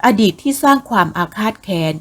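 A woman narrating a Thai ghost novel as an audiobook, with a measured, expressive reading. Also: a little high.

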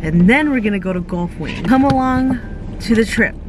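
A woman's voice: mid-range voice, lively intonation, moderate pace, noisy background. A woman in her twenties chatting casually and swearily to a camera held at arm's length in a car. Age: 20s. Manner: informal, sweary. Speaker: vlogger. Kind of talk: casual vlog chat to camera. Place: inside a car. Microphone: handheld camera at arm's length. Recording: music bed over in-car camera audio. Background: music, car sounds.

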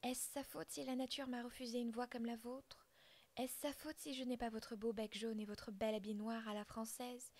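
A woman's voice: on the high side, a little mellow, natural voice. Woman whispering as a young white blackbird. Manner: pleading, then rebellious. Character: young white blackbird daughter, hurt and defiant. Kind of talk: whispered role-play.

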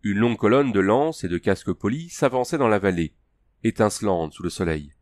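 A man reads an adventure story aloud as an audiobook, delivering scripted fantasy narration in a steady, measured way. His voice is on the low side, captured close and dry with no room sound or echo.

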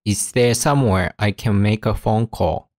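A man gives a vocabulary lesson in a slightly low voice, repeating each word and example sentence with careful enunciation. The recording is close and dry, with no room sound around him. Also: a little mellow, no room sound. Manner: slow, careful enunciation with repetition. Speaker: Japanese teacher.

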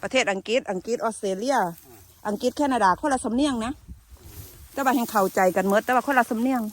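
A woman's voice: on the high side, fast talker. A woman with an Isan Thai accent, chatting casually outdoors in the rice fields and laughing often. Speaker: vlogger.

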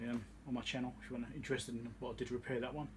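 A man's voice: mid-range voice, little pitch movement, very fast, noisy background. A man giving a casual, hesitant workbench demonstration, rambling in an understated way in a home workshop. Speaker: electronics repair video host. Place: home electronics workshop, indoors.

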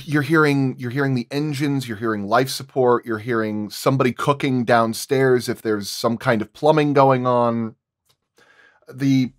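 A man's voice: mid-range voice, no echo, studio quality. A man working as a sound designer explains his craft in detail in a roundtable discussion.

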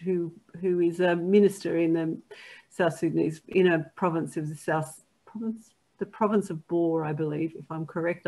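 A middle-aged woman speaks earnestly on a panel video call from her kitchen. Her voice stays level and even, with little rise and fall. She rambles a little and stops to correct herself. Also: lowish voice, low-quality recording. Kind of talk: panel discussion. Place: kitchen at home.

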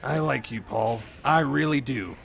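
A man's voice: mid-range voice, unhurried, vocal fry, a bit bright, poor audio. A man playing an exasperated, by-the-book grocery store manager in a comedy audio sketch. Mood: earnest, patient.

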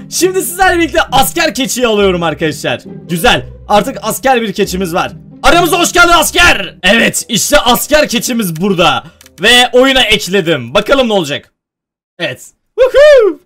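A man hosting a gaming video, giving excited let's-play commentary, chatting with viewers and often breaking into shouted exclamations. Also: very high voice.

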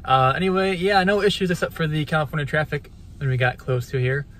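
A man's voice: fairly high pitch, fast, a bit bright, slight background noise. A young man chatting casually to viewers in a travel vlog, upbeat and explaining things as he goes, recorded close up inside a car. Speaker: vlogger. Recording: background music.

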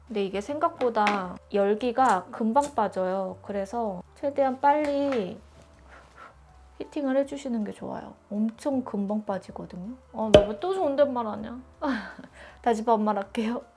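A woman's voice: fairly high pitch, a little slow, background noise. A woman hosting a makeup tutorial, explaining each step in a chatty, informal way. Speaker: beauty YouTuber.

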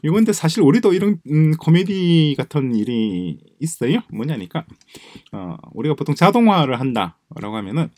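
A man's voice: a little high, sing-song, normal speed, a little mellow, dry recording. A man giving a screen-share lecture on automation, musing aloud, repeating phrases and trailing off into mumbles as he types notes. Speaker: presenter explaining a coding project. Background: keyboard typing.

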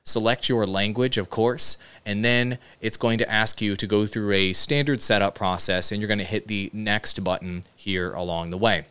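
Guy walking through a software setup, lowish smooth voice, close mic. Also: steady tone, normal speed, few pauses. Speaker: software tutorial host. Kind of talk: casual step-by-step instruction. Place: indoor streaming room. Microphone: close dynamic broadcast microphone with headset monitoring.

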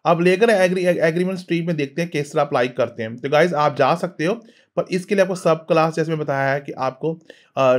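A middle-aged man talks through job listings and visa pages over a screen recording, hesitant, with many pauses and fillers. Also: fairly high pitch. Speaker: vlogger, career advisor.

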